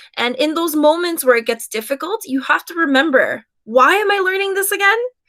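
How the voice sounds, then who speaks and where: With a Canadian accent, a woman projects a raised voice at an extremely high pitch, bright and sharp in tone. Her pace is fairly quick and her intonation lively. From Canada. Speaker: language teacher. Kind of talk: interview.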